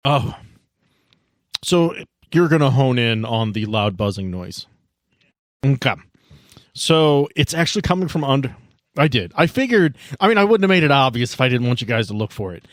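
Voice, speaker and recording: A man's voice: medium pitch, very animated, moderate pace, long pauses, no room sound, studio quality. A man narrating as game master of a tabletop game, describing scenes casually with asides and restarts.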